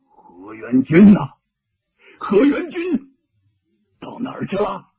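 A man voicing a grief-crazed older male hermit who rants in a drawn-out, raspy way. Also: sits high, wildly swooping pitch, warm tone, lo-fi sound, pitched above the performer's own voice, heavily acted. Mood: anguished.

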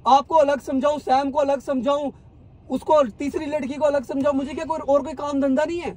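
A man's voice: very high voice, little pitch movement, fairly quick, dark tone. A young man in a heated argument, exasperated and pleading to be left alone for a while. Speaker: vlogger.

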